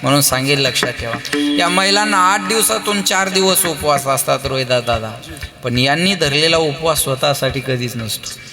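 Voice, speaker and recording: A man with a Marathi accent preaching a devotional kirtan sermon, telling lively family stories, acting out their voices and calling on the crowd to answer. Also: fairly high pitch, normal speed. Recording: long hall reverb with live music.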